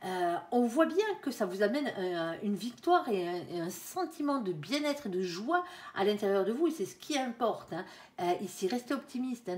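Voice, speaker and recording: A woman giving a casual tarot reading to viewers, chatty and direct, filling her talk with little tags and calling on her angel between cards. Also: medium pitch. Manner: chatty, sprinkles talk with "hein" and "alors". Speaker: tarot card reader.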